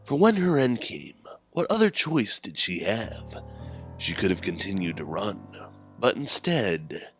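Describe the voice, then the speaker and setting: A male host introduces horror stories in a scripted, theatrical way. His voice is low and moves expressively up and down, with measured phrasing. Light music sits behind him. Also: sing-song, fairly bright tone. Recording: music under the voice.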